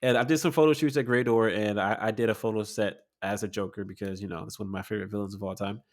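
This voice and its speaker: Young male co-host, low-ish voice, easygoing chatter, quick to laugh, repeats himself. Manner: relaxed, laughs often, repeats words. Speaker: podcast co-host. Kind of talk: casual chat.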